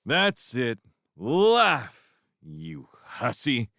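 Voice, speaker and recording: A man's voice: medium pitch, wildly swooping pitch, drawn-out words, no echo, clean studio sound, voice pushed up, heavily acted. A man voicing a soaked, very drunk fisherman who scolds people with theatrical mock outrage. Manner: slurred, theatrical, shouting.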